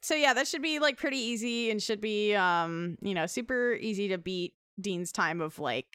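Bright, crisp-voiced woman telling a story. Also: mid-range voice, moderate pace, dry recording, studio quality. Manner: animated storyteller, laughing often. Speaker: podcast host. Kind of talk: casual chat, recounting a wrestling segment.

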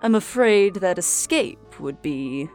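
A woman's voice: on the low side, expressive, slow, darkish tone, faint music behind. A woman voicing a suave, menacing male vampire lord who plays host at a dinner. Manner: smooth, theatrical, later weary and awkward.

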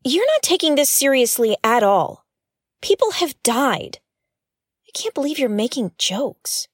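A woman's voice: high-pitched, big pitch swings, a little slow, breathy edge, no echo, studio quality, heavily acted. A woman playing a wary, frustrated investigative podcaster in an audio drama, speaking in a guarded, hesitant way. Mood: exasperated. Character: wary, frustrated female investigative podcast host, dogged truth-seeker. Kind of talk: naturalistic audio fiction acting.

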